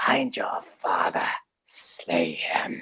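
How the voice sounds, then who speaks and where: A raspy, put-on character voice. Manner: bitter, commanding.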